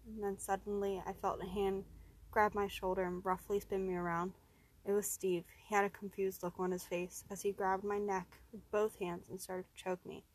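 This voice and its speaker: A woman narrating a first-person horror story, steady and even, rising in tense moments. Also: medium pitch.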